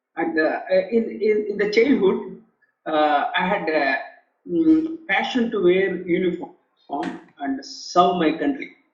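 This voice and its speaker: A man with high pitch and very wide pitch swings, fairly slow pace, audible room echo. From India. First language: Telugu. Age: 50s. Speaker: leadership author and professor. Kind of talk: interview testimony. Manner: halting, many fillers and repeats.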